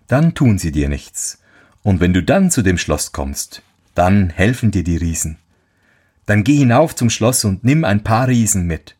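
A man's voice: fairly low pitch, darkish tone, breathy edge, heavily acted. A man voicing a wise talking white horse.

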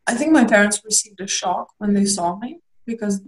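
A woman's voice: mid-range voice, animated, normal speed, rough recording. A young woman from Lithuania, a guest in a candid interview, talking reflectively with hesitant restarts and small laughs.

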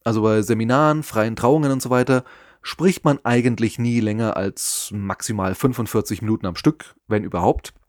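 A man giving scripted advice on public speaking, in a measured, explanatory way with lively emphasis. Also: on the low side, no echo, clean studio sound. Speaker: podcast host and speaking coach.

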